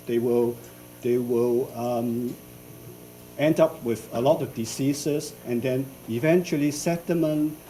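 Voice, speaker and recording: An older man from Hong Kong delivers an academic lecture at an unhurried pace, often pausing on fillers and restarting his sentences. His voice is warm and mellow. A faint background hiss sits under the room. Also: mid-range voice, poor audio. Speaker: invited professor giving a symposium talk. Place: lecture hall.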